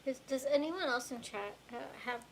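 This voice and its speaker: A woman's voice: a little high, moderate pace, a little hiss or hum. A woman chatting casually at home, dropping in everyday domestic asides.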